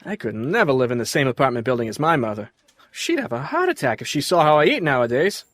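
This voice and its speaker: A man's voice: mid-range voice, very animated, fast talker, a bit bright, no room sound. An actor playing a young police officer who banters and jokes around with his colleagues. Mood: casual. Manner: playful, mock-archaic jokes.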